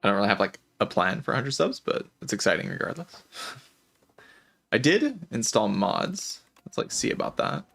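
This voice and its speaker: A man livestreaming a game and chatting casually, with heavy vocal fry, a low-energy hesitant delivery and a voice strained by a lingering cough. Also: very animated, normal speed, a bit bright. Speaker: game streamer. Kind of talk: casual livestream chat while playing a game.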